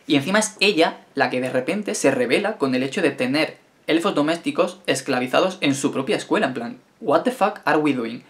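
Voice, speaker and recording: A young man in his twenties from Spain, with a Spain Spanish accent, reads viewers' questions aloud and answers them in a chatty, wry, self-mocking way for a casual Q&A vlog. His voice is fairly high and a little fast.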